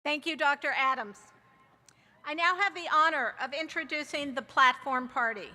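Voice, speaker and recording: Bright-voiced woman announcing a ceremony. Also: sits high, long reverb tail. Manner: measured, reads a long list of names and titles. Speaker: interim provost. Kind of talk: formal ceremony introductions. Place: large outdoor or hall ceremony over a PA.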